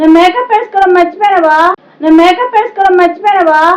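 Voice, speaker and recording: A put-on character voice, whiny and extremely high-pitched, moves at a moderate pace. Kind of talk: comic overacting. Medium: comedy sketch. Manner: repetitive, whiny.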